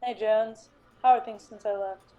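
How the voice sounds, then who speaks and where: A woman playing a hard-boiled, self-important private detective who narrates a noir radio drama in a brooding, deadpan manner. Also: fairly high pitch, normal speed, narrow, tinny audio, close to an everyday voice. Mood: awkward, casual.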